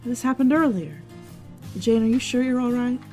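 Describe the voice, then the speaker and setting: An actress playing an attentive, level-headed police investigator in an audio drama. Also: female voice, a little high, expressive, normal speed, mellow, faint music behind, close to an everyday voice. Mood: thoughtful, concerned. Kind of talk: full-cast audio drama acting.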